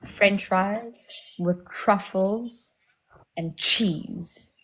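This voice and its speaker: A woman's voice: mid-range voice, very slow, a bit bright, poor audio. A woman in her thirties from South Africa, hosting a casual livestream chat, laid-back and laughing as she tells stories. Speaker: livestream host.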